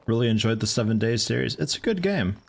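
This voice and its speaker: A man's voice: mid-range voice, lively intonation, quick pace, creaky, a little mellow. A man in his thirties giving rambling, casual commentary while livestreaming a game, swearing now and then. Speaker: gaming livestreamer.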